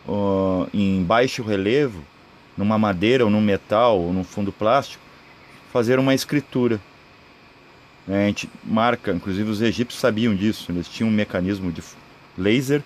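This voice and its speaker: A man's voice: on the low side, a little mellow, a little hiss or hum. A man with a Brazilian accent giving informal esoteric teaching in a rambling, explanatory way, often adding checking tags. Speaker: spiritual video creator.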